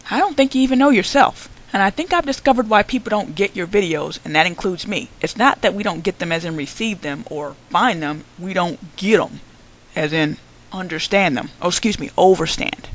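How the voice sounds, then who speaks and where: A woman's voice: medium pitch, fairly quick, a bit bright, rough recording. A young woman hosting her own channel, answering another vlogger in a sarcastic, combative response rant.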